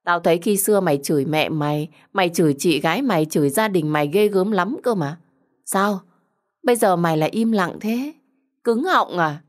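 A woman's voice: lowish voice, animated, normal speed, natural voice. A woman voicing a cruel, treacherous young woman in an audio story, with a mocking, condescending and sarcastic manner. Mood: sarcastic, taunting.

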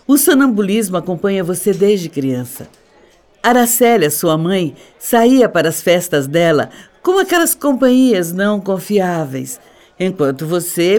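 A woman's voice: on the low side, a little mellow. A woman with a Brazilian accent playing a cold, scolding middle-aged mother in a radio soap, condescending and theatrical. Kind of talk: radio soap opera acting.

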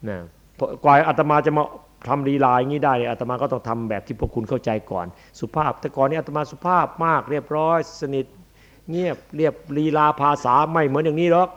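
A man's voice: fairly high pitch, fairly even intonation, brisk, a bit bright. A man, a Buddhist monk, giving a dharma sermon in a blunt, emphatic, demonstrative way. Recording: dull lo-fi archive recording.

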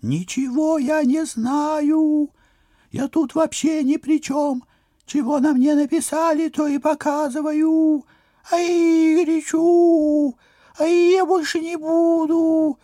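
A man's voice: extremely high pitch, steady tone, slow, warm tone, no room sound, clean studio sound, voice pushed up. A man voicing an enchanted paper note that whimpers and pleads in a tiny, thin voice. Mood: whining.

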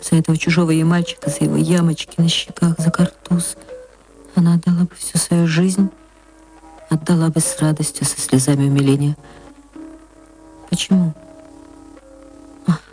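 A woman narrating a classic short story for an archive radio reading in a tender, unhurried way, slowing down at reflective passages. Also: deep voice, fairly even intonation, warm tone, soft background music, low-quality recording.

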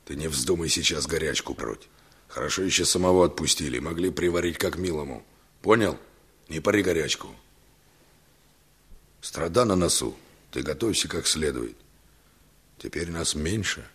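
A very deep, husky villager. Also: male voice, animated, moderate pace, long pauses, a bit bright, heavily acted. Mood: grave. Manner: grave, instructive. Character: grave village man bringing hard news. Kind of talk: archival Soviet radio drama.

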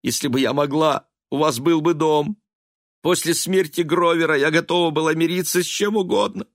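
A man's voice: mid-range voice, expressive, moderate pace, dry recording, clean studio sound, pitched above the performer's own voice, lightly acted. A man voicing an aging, stubborn, self-pitying mother, in a raised, fussy, plaintive tone. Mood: tearful. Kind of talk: audiobook character voice.

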